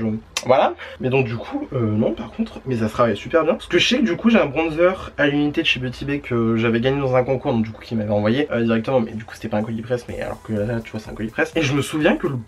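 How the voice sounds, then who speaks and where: A man's voice: mid-range voice, fast talker. Rambling, chatty young man vlogging makeup. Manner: rambling and chatty, full of fillers and slang; laughs often at himself. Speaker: beauty vlogger. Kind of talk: casual makeup review chat.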